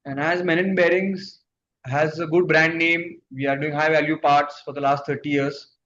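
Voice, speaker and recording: A man's voice: on the high side, steady tone, normal speed, a bit bright. A man with an Indian accent, a company executive answering investors on an earnings conference call. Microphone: conference call line. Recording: muffled conference call, background noise.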